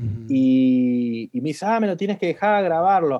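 A man's dark, mellow tone at a moderate pace, with lively intonation over a quiet background. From Argentina (born in Algeria, moved at five). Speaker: DJ and music manager. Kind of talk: casual interview chat.

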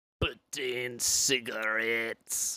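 A man puts on a character voice that is raspy. His pitch sits in the medium range.

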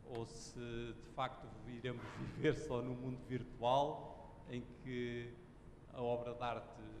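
Amid audible room echo, a man speaks at medium pitch and a very slow pace. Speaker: audience member. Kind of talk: audience question. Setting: stage with audience. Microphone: far from the mic.

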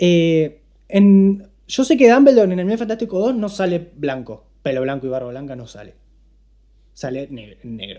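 A man's high-pitched voice with a dark, mellow tone, very wide pitch swings, big swings in loudness and a fairly slow pace. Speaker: podcast host. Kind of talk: casual chat.

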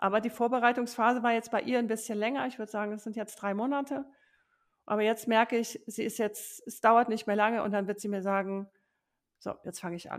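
On a very clean recording with a silent background, a woman talks at a fairly quick pace in an ordinary speaking voice. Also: fairly high pitch for a woman, fairly even intonation. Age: 50s. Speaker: flight attendant and sobriety coach. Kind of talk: interview.

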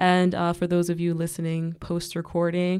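A woman with an unremarkable speaking voice and fairly low pitch talks at a fairly quick pace. The recording is very clean, with a silent background. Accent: American. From US. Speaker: podcast host. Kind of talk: interview. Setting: stage with audience.

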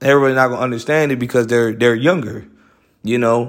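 Fairly even in intonation, this man has an unremarkable speaking voice set at a medium pitch. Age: 20s. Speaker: podcaster and content creator. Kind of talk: casual solo monologue.

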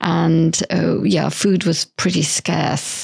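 In a dry, close sound with no echo, a woman with an Irish accent speaks at a very slow pace. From Ireland. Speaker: psychotherapist. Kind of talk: casual chat.

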